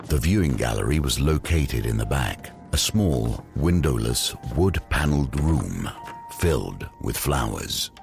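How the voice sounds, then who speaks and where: Extremely deep, gravelly horror narrator. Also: male voice, big pitch swings, music in the background, full character voice. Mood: wry, grave. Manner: deliberate, dramatic pauses. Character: grave, ominous narrator of a gothic horror tale. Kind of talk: scripted audio drama narration.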